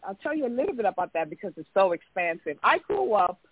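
A woman's voice: mid-range voice, very animated, fast talker, slightly rough, no room sound. A woman from Tanzania, a life coach, speaking earnestly and emphatically as a radio interview guest. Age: adult, came to America at seventeen for college. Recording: phone-line audio.

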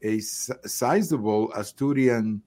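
An older man born in Cuba hosting a casual interview, speaking haltingly with many restarts and repeated words. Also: lowish voice, dark tone. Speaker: host.

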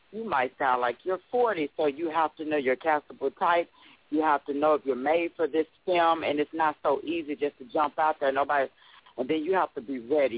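A man's voice: medium pitch, husky, no echo. A man hosting an interview, talking conversationally and summing up advice from past guests. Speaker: host. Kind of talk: phone interview. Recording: tinny phone line, dry.

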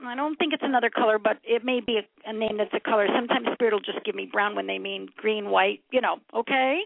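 A middle-aged woman from upstate New York giving a live psychic reading on a call-in show, halting as she thinks aloud and addressing callers with familiar endearments. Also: medium pitch, vocal fry. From upstate New York, United States. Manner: familiar, calls callers hon and sweetie. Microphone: telephone. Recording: narrow, tinny phone-line sound.

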